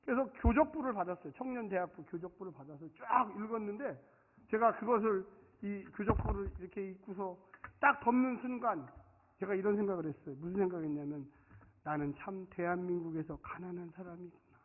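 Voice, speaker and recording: A middle-aged man from South Korea with a Daejeon-region accent, preaching a sermon as pastor, telling stories dramatically and swinging from quiet to shouting. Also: sits high, fairly quick. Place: church sanctuary. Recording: tinny, phone-like sound with long hall reverb.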